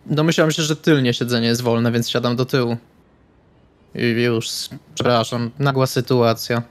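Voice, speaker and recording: A man's voice: medium pitch, steady tone, moderate pace. A man playing a tabletop role-playing game, describing his character's actions in a conversational way.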